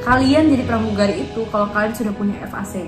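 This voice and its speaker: A woman's voice: a little high, fast. A woman in her twenties hosting a casual chat, explaining things step by step to her viewers. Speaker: host. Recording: echoey room with music behind.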